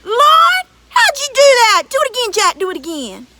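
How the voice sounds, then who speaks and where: A woman doing a loud, blustering giant. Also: very high-pitched, sing-song, normal speed, heavy background noise, pitched above the performer's own voice. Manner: blustering, shouting. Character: loud, boastful, dim-witted male giant.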